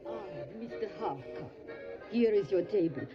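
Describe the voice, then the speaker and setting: A woman playing a hospitable, anxious Transylvanian innkeeper in an audio drama, with an Eastern European accent and halting, solicitous phrasing. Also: medium pitch, expressive, natural voice. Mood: welcoming, eager. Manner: halting foreign phrasing, tag questions, solicitous. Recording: dull lo-fi audio, faint music. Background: music.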